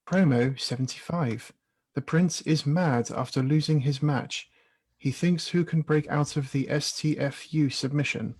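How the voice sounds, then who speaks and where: A man's voice: a little high, a little slow, darkish tone, slightly rough. A man reading scripted scene-setting narration as the narrator of a staged reading.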